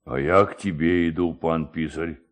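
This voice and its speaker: Man acting a low-voiced, blustering village headman. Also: fairly even intonation. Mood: gruff, suspicious. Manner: slow, weighty, imperious delivery. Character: blustering, commanding middle-aged male village headman.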